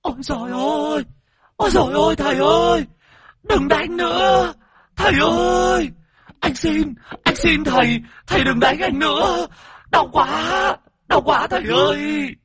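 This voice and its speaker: A man voicing a mocking male demon that has possessed a woman, wailing and begging in a very high voice. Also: unhurried, fairly bright tone.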